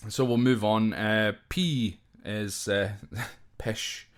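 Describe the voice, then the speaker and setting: A Scottish man hosting a podcast in a deep voice. He explains slang casually at an unhurried pace, with an informal, hesitant delivery and a habit of spelling things out. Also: fairly even intonation, smooth. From Scotland. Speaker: podcast host.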